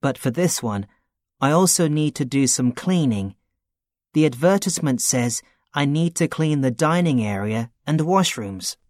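A man's voice: on the high side, unhurried, no room sound. Guy acting as a young job hunter, matter-of-fact, dry mic. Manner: plain, steady, matter-of-fact. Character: young man looking for part-time work. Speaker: student character in a listening test. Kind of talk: scripted exam dialogue.

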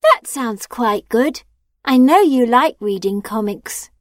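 Actress as a supportive young friend; high and lively voice, slow clear lines, dry studio. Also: female voice, dry recording. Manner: clearly enunciated, questioning. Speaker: friend character in a listening test. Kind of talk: scripted exam dialogue.

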